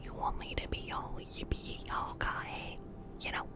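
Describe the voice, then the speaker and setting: A woman's voice: a little slow, over loud music. A woman from the United States whispering ASMR close to the mic in a playful, teasing way. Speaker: ASMR creator.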